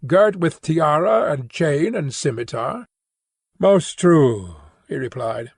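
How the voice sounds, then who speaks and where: A man reading a philosophical dialogue as an audiobook, in a measured, formal and expressive way. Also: a little high, breathy edge, no room sound, studio quality. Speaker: audiobook reader. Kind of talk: scripted narration of a philosophical dialogue.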